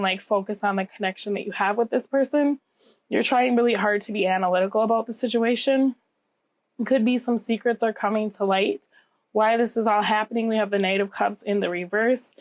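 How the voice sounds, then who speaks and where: A woman's voice: mid-range voice, steady tone, moderate pace, no room sound. Woman with a slightly nasal, scratchy voice. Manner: conversational, often checking in with "okay?" and "right?". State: getting over a cold. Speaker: tarot reader, channel host. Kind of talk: casual tarot reading to viewers.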